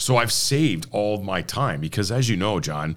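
A man with a Canadian accent talks at a fairly quick pace in an ordinary speaking voice, with lively intonation. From Canada, Mississauga (Ontario), born in Northern Ireland. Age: 40s. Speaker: real estate agent. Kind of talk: casual interview chat. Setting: office studio.

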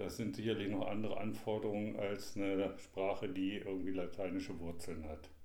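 A man's very deep, low voice at a fairly quick pace with hardly any pauses, in audible room echo. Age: 60s. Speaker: language teacher. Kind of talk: interview. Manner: hesitant with fillers.

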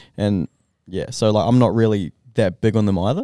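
A man's fairly low voice with an Australian accent and a dark, mellow tone, dry and close with no echo. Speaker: powerlifting coach. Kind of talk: casual chat. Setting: studio.

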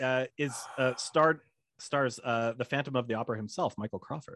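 Here a man uses a normal speaking voice at medium pitch and a moderate pace. The sound is dry and close with no echo, over a quiet background. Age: 40s. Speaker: podcast co-host. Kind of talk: casual chat.

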